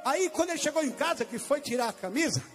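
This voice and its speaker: A man with a Brazilian Portuguese accent preaching a testimony sermon as a pastor, in a sing-song cadence with repeated phrases that climb into shouts. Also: very high-pitched, animated, quick pace. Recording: long hall reverb with faint music.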